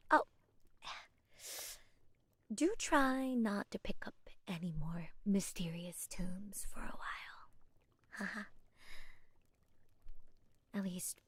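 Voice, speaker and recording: A woman's voice: medium pitch, slightly rough, no room sound. A woman whispering in the role of a friendly, playful young witch shopkeeper who teases and giggles. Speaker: ASMR roleplay creator. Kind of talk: ASMR roleplay.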